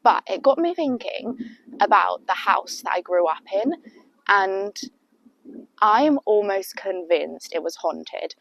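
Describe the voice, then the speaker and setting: A woman's voice: medium pitch, expressive, slow, gravelly, lo-fi sound, slight background noise. A young British woman with a sniffly cold, telling a chatty, rambling personal story to her viewers. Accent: British English. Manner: chatty and rambling, heavy use of "like". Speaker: vlogger. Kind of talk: casual storytime chat.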